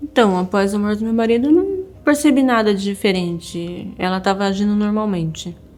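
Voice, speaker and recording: A woman of medium pitch talks fairly quickly with ordinary pitch variation amid noticeable background noise. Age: 40s. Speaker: mother of missing children. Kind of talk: documentary interview testimony.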